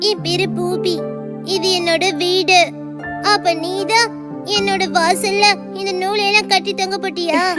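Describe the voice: Against loud music in the background, a cartoonish character voice speaks at a very slow pace.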